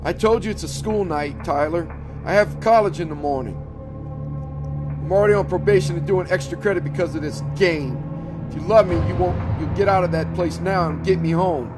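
A man's voice: high voice, a little fast, music in the background, lightly acted. A man voicing a young woman college student scolding her boyfriend in an exasperated way, in a read-aloud horror story. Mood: pleading.

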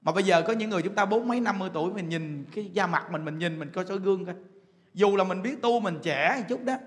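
A man's voice: sits high, quick pace. A man with a Southern Vietnamese accent giving a chatty, laughing sermon as a Buddhist teacher, often asking his listeners if they understand. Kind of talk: lively sermon to a congregation. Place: large temple hall. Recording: long hall reverb.

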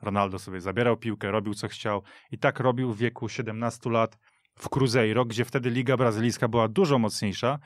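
A man's voice: medium pitch, fairly even intonation, a little fast, dry recording. A man on a radio football panel, opinionated and talkative in casual studio chat. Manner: opinionated, storytelling. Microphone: studio mic.

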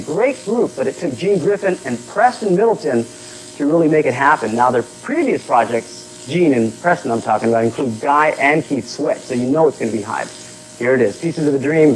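A young man hosting a music video show, with punchy, energetic announcer patter from a studio set. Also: fairly high pitch, poor audio. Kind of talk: upbeat TV presenter patter. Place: TV studio set, seated in director's chair.

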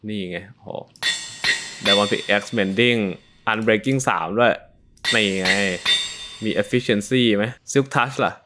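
A young man commentating a horror game for viewers, swearing and yelling in fright as he plays. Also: on the low side, very slow, noisy background. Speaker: gaming YouTuber.

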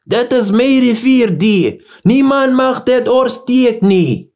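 A man's voice: very high-pitched, animated, slow, darkish tone, voice pushed up, heavily acted. A man voicing a curt, territorial crocodile in a children's storybook. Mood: curt, menacing. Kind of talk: child-friendly Afrikaans storybook reading.

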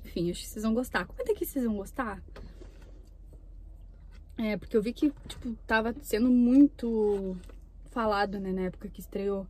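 A woman's voice: medium pitch, a little fast, pauses often, dark tone. A young woman from Brazil chatting casually between bites of food while filming a mukbang in a parked car, with the camera on the dashboard. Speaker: mukbang YouTuber. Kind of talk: casual chat while eating.

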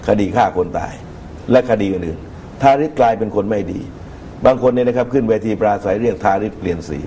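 A middle-aged man giving measured political commentary as a guest in a TV studio talk show, speaking into a lapel mic. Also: fairly low pitch, dark tone, a little hiss or hum. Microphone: lapel microphone.

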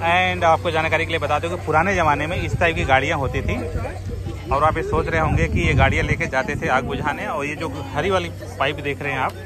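Higher-pitched Indian man explaining things. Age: middle-aged. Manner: informal, instructive, pointing things out as he goes. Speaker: vlog host. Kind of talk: casual explanatory vlog narration. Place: outdoors in an open parking lot at a public event. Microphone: phone at arm's length.

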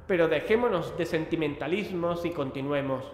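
A man's voice: on the high side, moderate pace, lightly acted. A man playing the resolute leader of an investigating team in a horror audio drama. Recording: echoey hall, faint noise, ambience.

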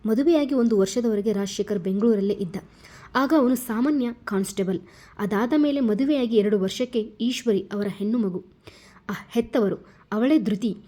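Woman telling a romance story, steady pace, warm mellow voice. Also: medium pitch. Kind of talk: scripted story narration.

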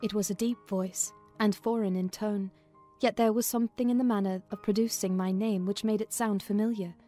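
A woman narrates a classic novel as a housekeeper, in a measured storytelling style. Her voice is mellow and of medium pitch. Soft music plays behind her. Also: steady tone. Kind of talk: dramatized audiobook narration, in character as a housekeeper. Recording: music under the voice.

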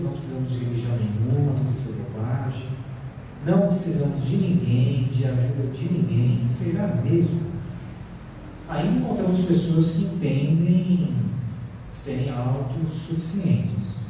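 A man's voice: mid-range voice, dark tone, slight background noise. A Brazilian man in his thirties gives a spiritist lecture at a stand mic, posing rhetorical questions with emphasis. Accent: Brazilian Portuguese. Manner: rhetorical questions, emphatic, gesturing with a paper in hand. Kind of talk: sermon-like lecture. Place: large hall with bare brick wall, indoors. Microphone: stand mic at chest height. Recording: distant echoey hall recording.

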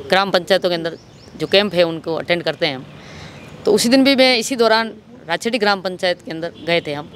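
A man's voice: high voice, a bit bright, a little hiss or hum. A man with a Rajasthani accent giving an account in a street interview, speaking into a handheld microphone outdoors. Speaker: local political party worker, interviewee. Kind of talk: street interview, recounting an incident. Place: outdoors in an office compound. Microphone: handheld reporter microphone.

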